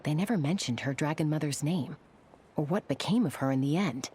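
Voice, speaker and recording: Woman playing a deep-voiced, grounded tribal storyteller. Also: fairly quick, mellow, slight background noise, natural voice. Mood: solemn, recounting. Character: low-voiced, steady tribal woman recounting her people's legend. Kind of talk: video game dialogue, storytelling.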